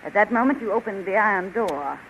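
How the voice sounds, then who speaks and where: A woman's voice: mid-range voice, lively intonation, a little fast, a bit bright, slight background noise. A haughty witch queen. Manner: haughty, scornful. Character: scheming proud witch queen, adult woman. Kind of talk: 1930s radio acting. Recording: dull lo-fi 1930s radio recording.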